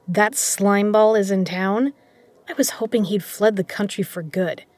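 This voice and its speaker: A woman's voice: mid-range voice, normal speed, darkish tone, no room sound, lightly acted. Woman playing a shrewd, businesslike poker legend. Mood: concerned, scornful. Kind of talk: scripted audio drama dialogue.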